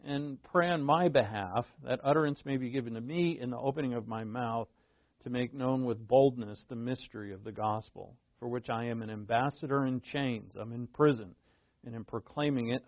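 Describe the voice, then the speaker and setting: Male Bible study teacher, easygoing and digressive, mid-pitched voice, dry and slightly dull recording. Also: dry recording. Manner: conversational, digressive, with fillers and asides.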